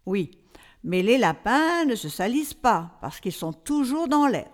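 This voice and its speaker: A woman's voice: a little high, big pitch swings, measured pace. A woman playing a patient, easily flustered storyteller who coaxes a child along in a comic radio dialogue. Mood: patient, improvising. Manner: hesitant, coaxing, as to a child.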